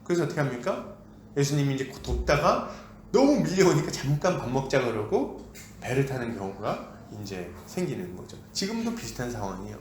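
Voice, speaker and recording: A male pastor preaching a sermon, acting out the disciples' and Jesus' voices in an animated way. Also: mid-range voice, fairly quick, echoey room, a little hiss or hum. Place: church sanctuary.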